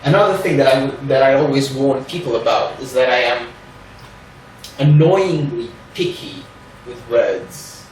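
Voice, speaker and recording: With big pitch swings and a slightly slow pace, a man's mid-range voice carries a Portuguese accent; he's from Portugal and not a native English speaker. He gives a careful, hedging introductory talk to a reading group in a meeting room, leaning on "sort of" fillers. The recording has a little hiss or hum, a very echoey room, and a distant mic.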